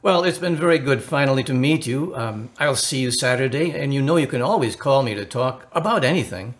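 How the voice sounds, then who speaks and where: An earnest Catholic priest in a radio drama, played by a male actor, with a medium-pitched voice. He speaks in a formal, consoling manner, a touch hesitant as he chooses his words, gently solicitous throughout. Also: lively intonation, a little fast, lightly acted. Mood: earnest, pastoral.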